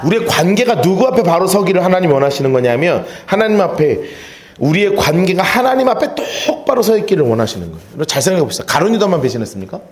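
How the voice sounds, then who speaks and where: A male pastor preaching in an echoey church sanctuary. His voice sits high and swings widely in pitch as he acts out Bible scenes and has the congregation repeat after him. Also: fast. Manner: animated preaching, acting out Bible dialogue and leading call-and-response. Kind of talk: sermon.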